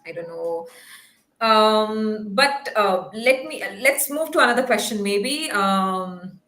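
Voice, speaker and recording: A woman's voice: mid-range voice, animated, slow, fairly bright tone. A woman hosting an online talk show, reading out viewer questions with many hesitant fillers. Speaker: show host. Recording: roomy echo.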